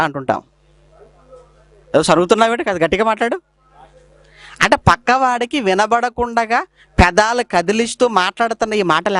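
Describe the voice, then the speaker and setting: High lively preaching man. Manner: rhetorical questions answered himself; quotes scripture slowly and drawn out. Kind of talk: sermon.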